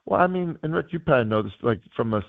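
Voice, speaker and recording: A man with a hoarse, worn-out voice talks football as a guest coach, circling his points with endless fillers and restarts. His low, gravelly tone comes through a thin, tinny phone line. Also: animated, very fast, no room sound. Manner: rambling, many fillers and restarts. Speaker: guest analyst and high school coach. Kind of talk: casual sports radio chat.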